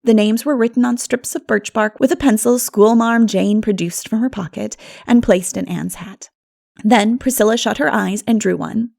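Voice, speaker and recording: A woman reading a classic novel as an audiobook narrator, in an expressive storytelling manner. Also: on the high side, normal speed, gravelly. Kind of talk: scripted literary narration.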